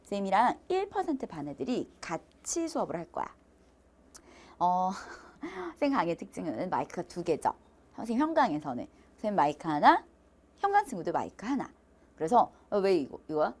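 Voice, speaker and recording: A woman's voice: lowish voice, wildly swooping pitch, normal speed, a little mellow. A woman teaching exam prep who switches between polite speech and casual talk aimed at her students. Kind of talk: lively lecture promo talk to students.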